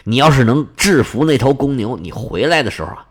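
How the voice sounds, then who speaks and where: Kindly old village woman, low and homely, animated storybook read, voiced by a man. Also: brisk, lightly acted.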